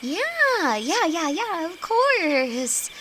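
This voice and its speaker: A woman's voice: very high voice, big pitch swings, very slow, bright, forceful tone, a little hiss or hum, heavily acted. A woman playing a timid young apprentice alchemist in an intimate audio roleplay, with nervous, hesitant, stammering delivery and frequent sighs. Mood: scared. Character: timid young female apprentice alchemist, easily frightened, sweet best friend. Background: crickets and night forest sounds.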